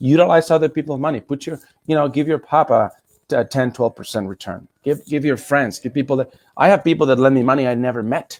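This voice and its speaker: An animated man with a Spanish accent at a fairly high pitch, a very fast pace and ordinary pitch variation. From Argentina. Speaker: real estate investor and trainer. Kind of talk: interview.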